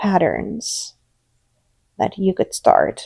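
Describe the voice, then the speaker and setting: A woman's medium-pitched, somewhat breathy voice, dark and mellow in tone, with ordinary pitch variation, a very slow pace, and a dry, close sound with no echo. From Czech Republic. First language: Czech. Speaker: knitting teacher. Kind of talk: tutorial. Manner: casual, hesitant.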